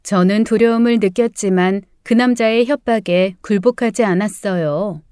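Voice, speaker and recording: Woman reading a story, clear smooth voice, bit high, dry close sound. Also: normal speed, warm tone, dry recording. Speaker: story narrator. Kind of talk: first-person audiobook narration.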